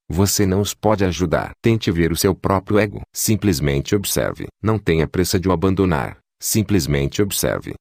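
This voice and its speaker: A man reading a spiritual discourse aloud in a slow, measured, instructive way. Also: deep voice, darkish tone, dry recording, studio quality.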